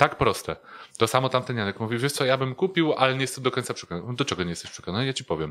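The speaker is a man talking very fast. His intonation is lively, and vocal fry runs through his voice. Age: 20s. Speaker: YouTuber. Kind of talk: casual chat. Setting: apartment. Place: home room. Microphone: studio mic.

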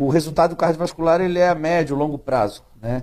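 Fairly quick delivery comes from a male speaker. The intonation rises and falls normally. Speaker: podcast guest. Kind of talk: interview answer. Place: studio. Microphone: studio mic.

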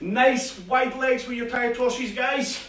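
Amid audible room echo, a man with an extremely high pitch projects his voice in an energetic tone. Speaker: judo coach. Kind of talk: live online judo class, instructing kids through drills. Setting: live video stream. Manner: energetic, loud, encouraging, brisk call-outs and countdowns; clear, repetitive, upbeat instructions. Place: gym. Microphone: camera far.

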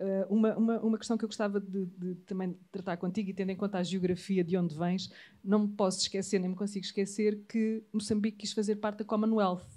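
A woman talks at a fairly quick pace in a somewhat breathy, dark, mellow voice at medium pitch. Her intonation is flat and monotone, over a quiet background. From Portugal. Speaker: writer, moderator; moderator. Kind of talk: panel discussion. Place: hall. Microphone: handheld.

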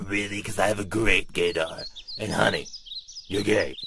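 This put-on character voice moves at a moderate pace with monotone, flat intonation. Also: man, fairly low pitch for a man. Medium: short film. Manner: blunt, self-assured.

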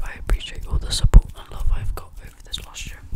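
Whispering in a gentle tone over loud background noise. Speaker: ASMR creator. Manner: gentle whispered thanks, close mic. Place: home room. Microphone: studio mic.

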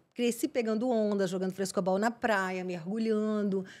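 An unremarkable speaking voice from a woman, fairly high-pitched and fairly slow. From Espírito Santo, Brazil (Cachoeiro de Itapemirim); Espírito Santo. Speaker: environmental journalist and TV reporter; podcast guest, journalist. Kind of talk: podcast interview. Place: studio. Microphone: studio mic.

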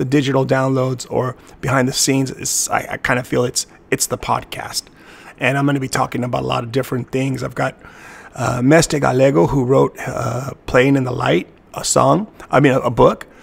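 The intonation stays fairly even at a moderate pace. Noticeable background noise runs underneath. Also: man, medium pitch for a man. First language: not Portuguese; non-Brazilian. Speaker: capoeira master and musician. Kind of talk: casual monologue to supporters.

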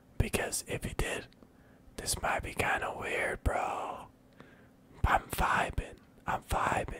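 The speech is whispered. Background noise is noticeable throughout. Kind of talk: casual gaming commentary.

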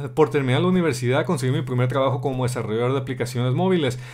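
Against a quiet background, a man talks at a fairly high pitch. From Mexico. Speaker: programming YouTuber; programming youtuber. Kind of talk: personal vlog testimony. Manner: halting, stuttering. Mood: reflective, personal confession. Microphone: studio mic.

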